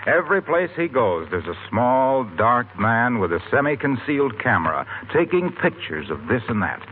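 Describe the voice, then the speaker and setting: A man as a 1940s radio announcer with a brisk, salesy delivery. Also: medium pitch, very animated, slight background noise. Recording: tinny old radio with faint music.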